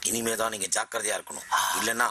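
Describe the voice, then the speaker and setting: A man's voice: fairly low pitch, steady tone, fast talker, heavy background noise, close to an everyday voice. An actor playing a cheeky young male sidekick in a film comedy, talking with a mock-philosophical air. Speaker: comic film character. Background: film music.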